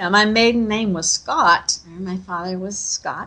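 Against a quiet background, a woman with an American accent speaks at a fairly slow pace in a bright, sharp tone of medium pitch with ordinary pitch variation. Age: 70s. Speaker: hypnosis and NLP trainer. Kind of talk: interview.

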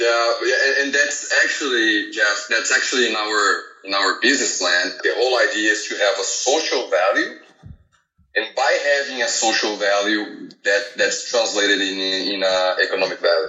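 Speaking at a moderate pace with audible room echo, a man has a Portuguese accent. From Brazil. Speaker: martial arts champion and fitness coach. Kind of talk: casual interview. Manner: energetic.

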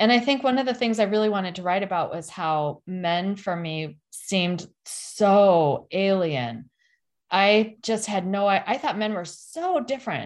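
A woman with an American accent and a plain, everyday voice, medium pitch, lively intonation and a fairly slow pace. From Milwaukee, Wisconsin (early childhood in Denver). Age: 50s. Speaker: novelist. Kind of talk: interview conversation. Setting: radio studio.

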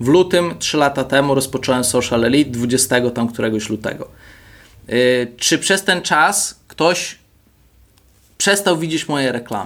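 A man at medium pitch speaks with lively intonation at a fairly slow pace. Long pauses come often. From Poland. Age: 30s. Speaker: entrepreneur and social media marketer. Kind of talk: interview.

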